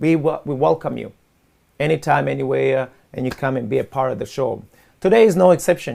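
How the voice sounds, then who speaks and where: With a Rwandan accent, a man talks at a moderate pace in a dark, mellow tone. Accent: Rwandan, noticeable. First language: Kinyarwanda. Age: 40s. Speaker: talk show host. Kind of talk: live talk show monologue. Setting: live online studio via Zoom. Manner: halting, many fillers and restarts.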